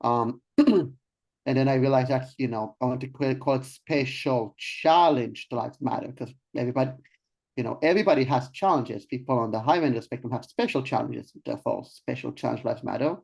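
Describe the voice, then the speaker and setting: A man's voice: mid-range voice, a little fast, vocal fry, darkish tone. Hesitant man from Israel. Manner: hesitant, many ums and restarts. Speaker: guest, life coach. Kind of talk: casual interview talk.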